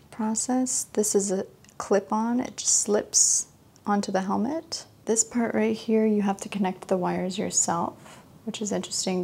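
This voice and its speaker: A woman's voice: mid-range voice, warm tone, a little hiss or hum. A woman presenting a casual product review as a motorcycle vlogger, talking in a conversational, explanatory way.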